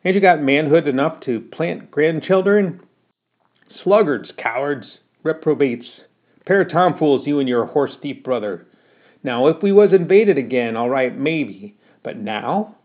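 A man's voice: on the high side, expressive, measured pace. A man voicing a blunt, scolding older country mother who talks in rustic dialect. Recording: tinny phone-like sound.

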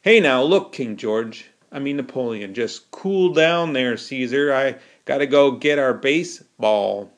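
A man's voice: medium pitch, animated, measured pace, hardly any pauses. A man voicing a cheeky, glib young American soldier in an audiobook, with folksy slang and a wheedling way of talking. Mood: mocking.

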